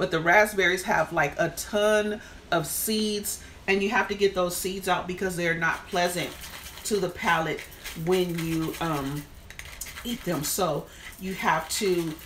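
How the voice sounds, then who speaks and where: Against light background noise, a woman speaks at a fairly slow pace with fairly even intonation and long, frequent pauses. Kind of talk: casual live-stream tutorial. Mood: cheerful and chatty. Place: kitchen. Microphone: phone near.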